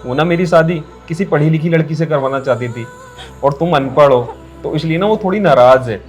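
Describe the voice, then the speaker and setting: A man playing a gentle, soothing young husband. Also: on the high side, fairly quick, soft background music, lightly acted. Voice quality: soothing, earnest. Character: gentle young husband caught between wife and mother. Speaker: son and husband. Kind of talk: rural Hindi film drama.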